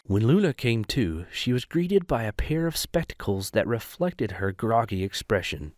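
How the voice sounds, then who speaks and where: A man's voice: medium pitch, very animated, moderate pace, a little mellow. A man reading scripted story narration expressively as the narrator of an audio drama.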